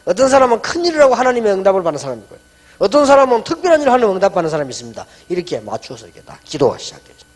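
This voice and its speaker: A middle-aged man, a pastor, preaching a sermon in a lively storytelling way, often dropping soft and low when he quotes people. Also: rapid-fire, long reverb tail.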